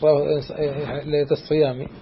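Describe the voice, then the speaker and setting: Quick gravelly male teacher. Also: fairly high pitch, flat delivery, muffled recording, background noise. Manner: hesitant, many drawn-out fillers, restarts and checks with the student. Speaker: teacher of Islamic jurisprudence. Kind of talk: explaining a classical text to a student.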